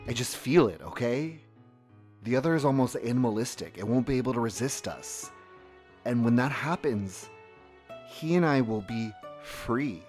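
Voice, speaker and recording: An actor in an audio drama playing a weary, dying man who is gentle, loving and resolute, speaking in measured, soft tones. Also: mid-range voice, expressive, faint music behind, close to an everyday voice. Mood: insistent.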